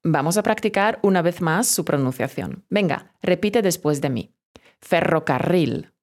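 A woman leads a scripted vocabulary lesson in a somewhat low voice. She pronounces each word slowly and carefully for the learner to repeat. She talks straight to the student with encouragement. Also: lively intonation, a little mellow. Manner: slow, careful pronunciation drills; encouraging, addresses the learner directly. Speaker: Spanish teacher.

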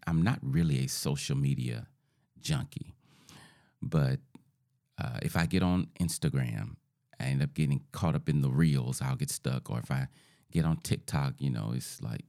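Male podcast host, groggy morning voice, dark mellow tone, casual rambling monologue. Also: rumbling low. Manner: rambling and informal, addresses listeners as family.

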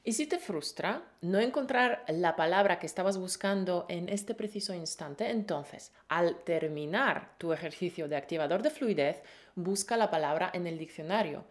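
A woman's voice: lowish voice, expressive, normal speed. A woman co-hosting a Spanish-learning podcast, teaching in a playful, encouraging way with pet names. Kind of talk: lively scripted lesson.

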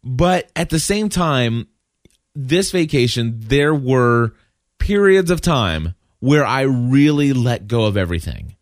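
A man's voice: medium pitch, very animated, takes it slowly, no echo. A man in his thirties co-hosting a casual family podcast from a studio, who laughs often and restarts his sentences. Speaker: podcast co-host. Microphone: studio microphone.

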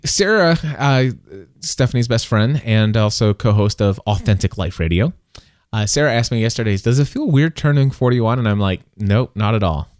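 A man's voice: fairly low pitch, animated, moderate pace, a little mellow, no echo, studio quality. An American man of forty-one chatting casually as a podcast co-host, with a bantering, self-deprecating manner. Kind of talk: casual chat.

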